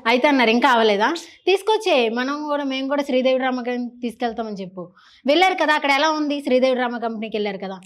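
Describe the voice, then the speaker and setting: A woman interviewer with a slightly high voice chats with young children. She teases them playfully and keeps the talk light and casual. She speaks into a handheld mic. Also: expressive, very fast. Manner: playful, teasing, chatty with kids.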